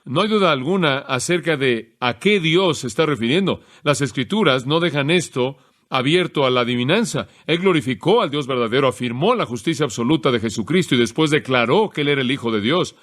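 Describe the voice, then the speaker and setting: A man preaching an expository sermon, explaining a text in a measured teaching manner and slowing down to stress key phrases. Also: medium pitch, expressive, a bit bright.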